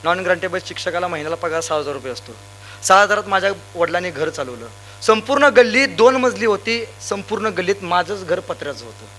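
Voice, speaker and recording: A young man from Sangli district, Maharashtra, giving a loud, emphatic motivational stage speech full of anecdotes. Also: high voice, lively intonation, quick pace, slight background noise. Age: young adult. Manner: loud, emphatic, rousing, addresses crowd directly. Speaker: motivational speaker.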